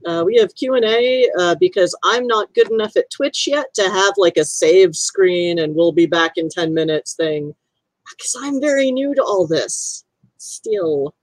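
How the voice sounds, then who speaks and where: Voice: mid-range voice, unhurried, dry recording, rough recording. A game master chatting casually with livestream viewers over headset audio, rambling and trailing off with fillers.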